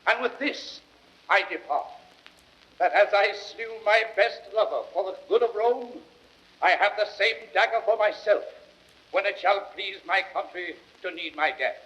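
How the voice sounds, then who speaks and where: An actor playing a proud, earnest Roman statesman, declaiming deliberately in classical Shakespearean radio-drama style. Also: high voice, fairly bright tone. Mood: solemn, resolute. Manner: declamatory, deliberate, rhetorical delivery. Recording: dull vintage record sound.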